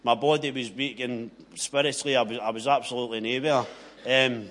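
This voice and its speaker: A man's voice: mid-range voice, fairly even intonation, a little fast, a bit bright. A middle-aged man with a broad west of Scotland accent gives a personal Christian testimony, earnest and plain-spoken, repeating phrases for emphasis. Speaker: speaker giving personal testimony.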